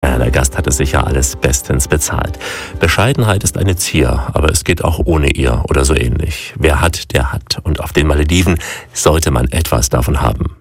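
A male radio travel host with a very low, deep voice, narrating in a measured and polished way. Music plays clearly behind him. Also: no echo. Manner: measured, polished presenter delivery. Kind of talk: scripted radio narration and interviewing.

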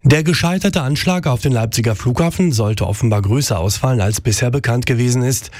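A man reading a radio news bulletin in an even, formal way. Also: medium pitch, fairly quick, no echo, studio quality. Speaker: newsreader.

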